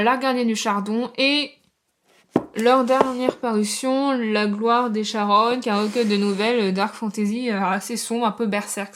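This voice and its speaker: A young woman walks through her home bookshelves in a relaxed, chatty vlog. She rambles and fills pauses with hesitations. Her voice sits a little high. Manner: chatty, rambling with many fillers. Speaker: booktuber and author. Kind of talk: casual book-collection vlog.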